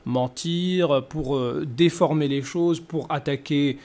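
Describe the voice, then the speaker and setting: A man's voice: on the high side, fairly even intonation, slow, a little mellow. A man in his thirties giving a conversational rebuttal as a video host, with mocking, rhetorical questioning. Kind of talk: conversational rebuttal commentary to camera.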